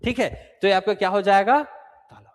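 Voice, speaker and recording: A man from Chhattisgarh, India, gives an exam-prep lecture in a high-pitched, fairly quick voice. He explains things step by step and repeats sounds aloud as drills, with long hall reverb on the recording.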